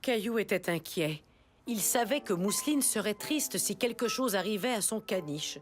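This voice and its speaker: A woman narrating a children's cartoon like a storybook, in an expressive storytelling manner. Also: mid-range voice, moderate pace, soft background music, close to an everyday voice.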